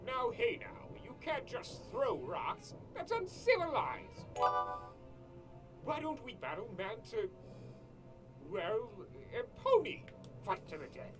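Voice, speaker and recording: A woman's voice: on the high side, wildly swooping pitch, slow, music in the background, full character voice. A woman voicing a sly, teasing male trickster of chaos in a cartoon, sardonic and theatrical. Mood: mock outrage. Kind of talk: dramatized cartoon parody dialogue.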